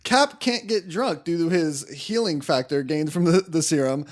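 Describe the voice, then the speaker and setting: A man's voice: on the high side, animated, moderate pace. A man co-hosting a podcast, recapping a film in a casual, enthusiastic fan's way. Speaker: podcast host.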